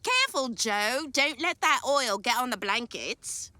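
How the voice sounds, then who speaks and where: A woman's voice: fairly high pitch, big pitch swings, a little slow, bright, forceful tone, dry recording, full character voice. A woman playing a gloating, callous servant thief with sly relish in a Victorian radio drama. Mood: brazen. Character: brazen, gloating female thieving servant in Victorian slum. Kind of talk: theatrical radio play acting.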